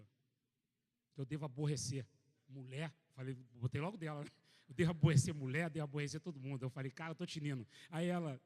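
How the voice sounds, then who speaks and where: A man from Brazil preaching a sermon to a church gathering, reading scripture aloud and telling a funny personal story in an animated, joking way. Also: fairly high pitch, big-room sound. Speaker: pastor. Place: church meeting hall.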